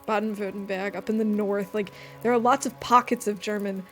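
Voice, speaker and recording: A woman's voice: medium pitch, fairly even intonation, brisk, a bit bright, soft background music. A woman streaming a game, chatting casually and thinking aloud with frequent fillers. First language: English. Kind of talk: casual gaming stream chat.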